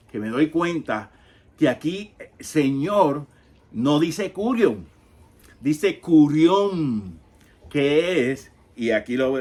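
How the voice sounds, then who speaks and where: A man in his fifties, a Catholic catechist, teaching on a Bible reading in a conversational way, pausing often and asking rhetorical questions. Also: a little high.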